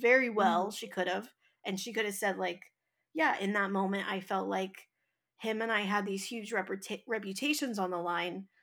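The speaker has a plain, everyday voice. Delivery comes at a moderate pace with ordinary pitch variation. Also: woman, medium pitch for a woman. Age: 30s. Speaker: podcast co-host. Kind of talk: casual chat.

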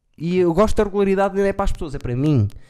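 Delivered at a very fast pace, the dark, mellow voice comes through in a very clean recording with a silent background. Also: man. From Portugal, Santa Maria da Feira. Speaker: comedian. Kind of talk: casual chat.

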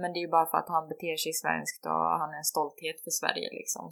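A woman at a very fast pace. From rural Sweden. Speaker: podcast guest. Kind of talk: casual chat.

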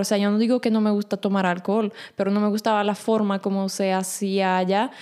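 A speaker with a Slovak accent talks at a fairly quick pace. The recording is very clean, with a silent background. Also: woman. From Slovakia (born in Romania, Slovak minority). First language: Slovak (speaking Spanish). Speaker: podcast guest. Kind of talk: interview, casual. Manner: hesitant, many fillers.

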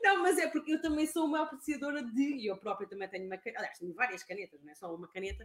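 Talking at a very fast pace with hardly any pauses, a woman with a European Portuguese accent uses a high pitch and very wide pitch swings. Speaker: podcast host. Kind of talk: live-streamed business podcast chat. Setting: live stream.

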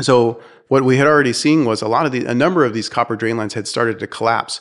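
A man with an American accent talks at a fairly quick pace. His medium-pitched, plain, everyday voice has ordinary pitch variation. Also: quiet background. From Texas. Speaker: real estate investor and home inspector. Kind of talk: casual interview.

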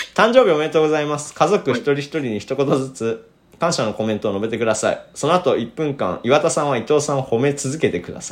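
A man with a fairly high pitch races along at a very fast pace with lively intonation and hardly any pauses. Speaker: podcast co-host. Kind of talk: casual chat.

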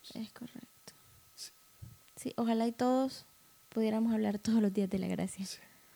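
With a dark, mellow, somewhat breathy tone, a woman speaks at a fairly high pitch in a flat monotone, leaving long, frequent pauses. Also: moderate pace. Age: 20s. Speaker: pastor. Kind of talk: casual chat.

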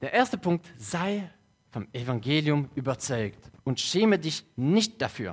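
A man talks with very wide swings in pitch. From Switzerland, French-speaking. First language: French (speaking German). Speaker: lay preacher. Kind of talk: sermon. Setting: church service, also streamed online.

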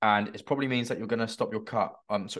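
A man speaks very fast with an English accent. His intonation stays fairly even. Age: 30s. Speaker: fitness coach. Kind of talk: solo podcast monologue. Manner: casual, rambling with fillers.

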